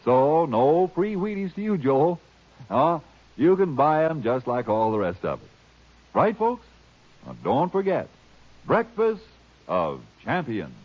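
A man's voice: a little high, big pitch swings, takes it slowly. A man delivering chatty, emphatic sales talk as a 1950s radio announcer. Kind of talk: folksy 1950s radio advertising. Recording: muffled 1950s radio recording.

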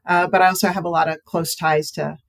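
A woman from St. Louis, a guest on a wildlife podcast, talking in brisk, quick bursts. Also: fairly low pitch, little pitch movement, vocal fry. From St. Louis, Missouri. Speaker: guest, bush dog researcher. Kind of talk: casual interview chat.

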